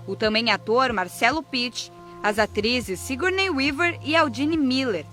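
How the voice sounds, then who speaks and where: Announcer, scripted read-out, even and formal, bright tone, soft music underneath. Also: high-pitched, unhurried.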